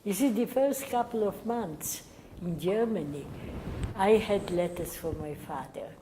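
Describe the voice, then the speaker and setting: An elderly woman speaks slowly and haltingly, her voice mellow and warm. She sometimes drops almost to a whisper as she remembers. A faint hiss runs under the recording. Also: medium pitch, expressive, rough recording. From Poland. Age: older. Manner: slow, halting, drops to a near whisper at times. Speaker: Holocaust survivor giving testimony. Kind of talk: recorded oral history interview.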